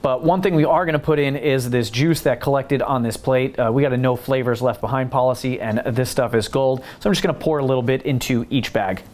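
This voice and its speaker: A man's voice: medium pitch, fairly quick, hardly any pauses, darkish tone. A man hosting a home cooking tutorial, chatting casually and explaining each step as he works in his kitchen. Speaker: home cooking channel host.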